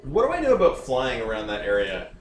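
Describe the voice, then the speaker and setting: A man's voice: medium pitch, wildly swooping pitch, fast. A man playing a tabletop game, chatting casually about his options. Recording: distant mic, echoey room, faint noise.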